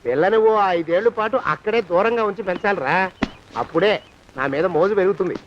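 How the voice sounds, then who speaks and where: A stingy, suspicious old master, as a man plays him in a classic film, talking high and fast as he blusters and scolds. The sound is dull and lo-fi. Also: slight background noise, lightly acted. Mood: scolding. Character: stingy scheming older man, bossy and jealous.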